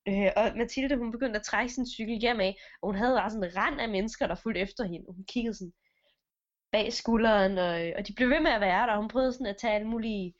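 A woman telling an improvised story casually, with fillers and acted-out voices. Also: medium pitch. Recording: dull lo-fi recording.

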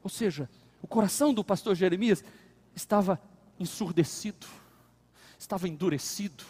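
High-voiced Brazilian preacher in a reverberant church. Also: male voice, moderate pace, husky. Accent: Brazilian Portuguese. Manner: dramatic preaching, acts out voices in anecdotes, swings from hushed to loud. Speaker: pastor. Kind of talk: sermon. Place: church sanctuary. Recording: long hall reverb.

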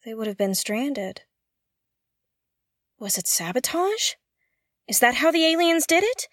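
A woman's voice: high voice, very animated, a little slow, no room sound, studio quality, exaggerated voice. A woman playing a curious, jittery explorer alone on a derelict spaceship, thinking aloud in an audio drama in a hesitant, exclamatory way. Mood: alarmed, speculating. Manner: hesitant, exclamatory, muttering to herself.

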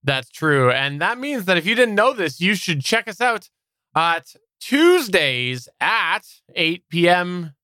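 A man's voice: high voice, big pitch swings, slow pace, bright, forceful tone, no room sound. A man co-hosting a podcast, chatting casually with dry humor. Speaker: podcast co-host.

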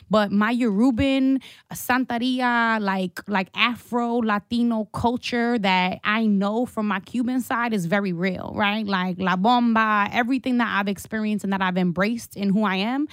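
A woman's voice: a little high, normal speed, dry recording, clean studio sound. A young adult woman speaking as an activist guest in a casual interview, passionate and emphatic, with slang and swearing.

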